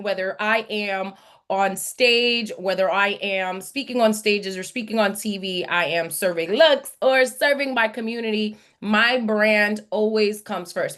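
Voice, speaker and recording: A woman coach leads a live online business masterclass. She speaks in a motivational, emphatic way, repeating key phrases to drive them home. Her pitch sits in the middle range for a woman. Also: fairly bright tone. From born in the Dominican Republic, grew up in New York City and South Florida.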